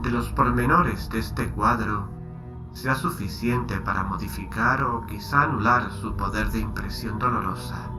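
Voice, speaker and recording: A man playing a melancholy gentleman who narrates a horror story in a solemn, deliberate, literary way. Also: fairly low pitch, lightly acted. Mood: brooding, hushed. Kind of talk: scripted dramatic horror narration. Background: music.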